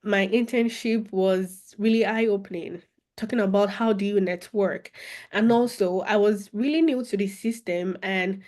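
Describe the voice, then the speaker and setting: A young woman with a Nigerian accent tells her own story as an interview guest. She talks expressively and animatedly, circling back on her phrases as she goes. Her voice sits at an ordinary middle pitch. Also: steady tone, a little slow, a little mellow. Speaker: guest, former international student.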